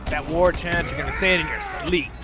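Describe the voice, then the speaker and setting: A man's voice: on the high side, fairly even intonation, a little fast, music in the background. A man hosting a gaming video with casual, playful, chatty commentary.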